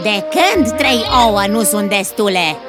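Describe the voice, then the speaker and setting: A woman voicing a grumpy woman who owns a goose, complaining and quick to snap. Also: mid-range voice, animated, natural voice. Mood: grumbling. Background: background music.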